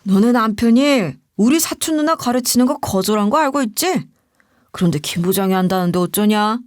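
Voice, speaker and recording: A bullying male boss barks orders and belittles his workers, voiced by a woman reading a story aloud. The voice sits fairly high and the sound is close and dry, with no room around it. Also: dry recording, close to an everyday voice. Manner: rude, scornful, talks down.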